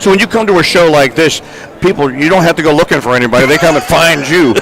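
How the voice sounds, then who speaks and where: At a very fast pace, a man speaks with a fairly high pitch, ordinary pitch variation and very even loudness over noticeable background noise. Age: 60s. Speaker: radio host. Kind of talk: live interview. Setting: live broadcast booth at a convention.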